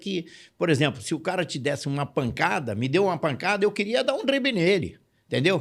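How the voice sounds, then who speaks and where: In a very clean recording with a silent background, a man speaks at a moderate pace with vocal fry and very wide pitch swings. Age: 70s. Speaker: retired footballer and coach. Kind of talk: interview. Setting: studio. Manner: halting, many repetitions.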